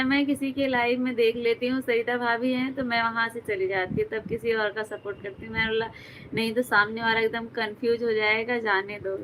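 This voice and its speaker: A woman's voice: fairly high pitch, a bit bright, a little hiss or hum, rough recording. Chatty woman live-streaming from Uttar Pradesh. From Uttar Pradesh, India. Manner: chatty, greets viewers by name, laughs often. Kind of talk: casual chat reading viewer comments.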